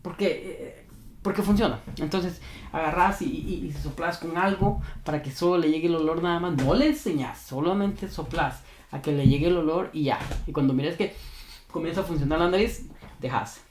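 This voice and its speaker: A man's voice: a little high, moderate pace, a little hiss or hum. A man working as a dog trainer, earnestly explaining advice to a viewer and repeating his key points for emphasis. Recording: roomy echo.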